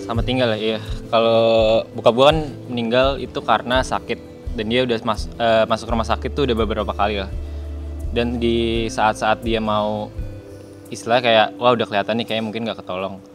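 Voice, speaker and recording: A man, talking in a reflective, measured way. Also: fairly low pitch, level tone, over music. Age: 20s. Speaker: panel guest. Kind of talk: casual conversation.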